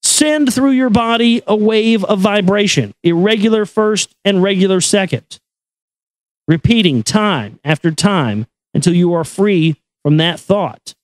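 A man giving a solemn, measured reading of an esoteric text in an incantatory, deliberate manner. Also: sits high, lively intonation, dry recording, rough recording. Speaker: reader and commentator. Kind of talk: solemn recitation of an esoteric text with brief asides.

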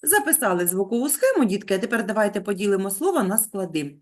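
A woman's voice: medium pitch, big pitch swings, quick pace. A woman teaching young children on a video call, patient and coaxing, praising them with pet names. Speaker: primary school teacher. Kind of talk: online lesson for young children.

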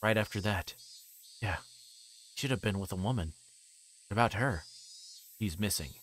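A man livestreaming a visual novel, moving between quiet reading aloud and halting, casual chat. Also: fairly low pitch, a little hiss or hum. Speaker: livestreamer playing games.

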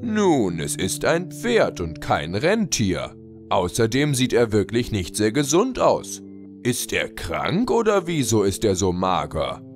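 A male actor plays a kindly old man dressed as Santa in a horror audio drama. His lowish voice swings widely in pitch, polite and trusting, with prominent music behind it. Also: huge pitch swings, slow, heavily acted. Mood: polite, doubtful. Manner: jovial, polite, gently patronizing.

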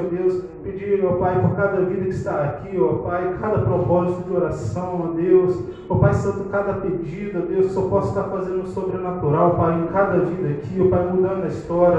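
A man's voice: a little high, warm tone, slight background noise. Man praying fervently in an echoey church. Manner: repeats "ó Pai" and "ó Deus" between phrases, rising in intensity. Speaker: preacher leading prayer. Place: small church hall, indoors. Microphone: handheld mic. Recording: very echoey room, slightly dull sound.

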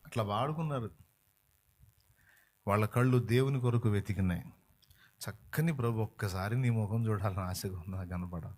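A man preaching a sermon as a pastor, telling a story fervently and swinging between hushed and loud passages. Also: on the low side, moderate pace, pauses often.

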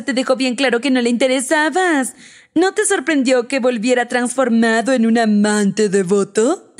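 A woman reader voicing a drunk, spiteful woman who taunts a rival with mocking, gloating laughter in an audiobook. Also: high voice. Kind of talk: audiobook character reading.

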